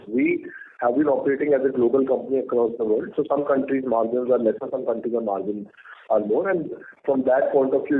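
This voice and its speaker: A man with an Indian accent answering questions as a company executive on an earnings call, firm and given to repeated filler phrases. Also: mid-range voice. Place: conference call by phone. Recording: tinny phone line with noise.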